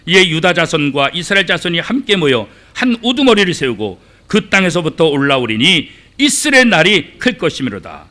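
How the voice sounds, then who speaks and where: A middle-aged male pastor preaching a sermon, acting out quoted voices and asking the congregation rhetorical questions, swinging between loud and hushed. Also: a little high, big pitch swings, fairly quick, few pauses.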